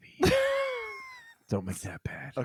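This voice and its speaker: A man puts on a raspy, breathy character voice. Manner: creepy, breathy.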